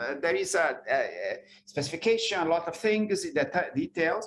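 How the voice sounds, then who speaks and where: A man speaks with a Brazilian Portuguese accent. His pace is moderate. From northeastern Brazil, Salvador. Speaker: epidemiologist, research centre director. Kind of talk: academic seminar talk. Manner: halting, many fillers and repetitions.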